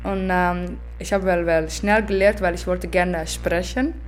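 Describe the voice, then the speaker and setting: A woman's voice: on the low side, steady tone, a little slow, soft background music. A woman with a non-native German accent, talking casually about her own experience as an interviewee. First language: not German. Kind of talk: casual personal account.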